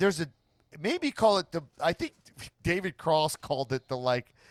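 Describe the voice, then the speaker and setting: A man with a New York accent, animated in tone, at a moderate pace. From New York, Long Island. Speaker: comedian. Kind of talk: casual chat.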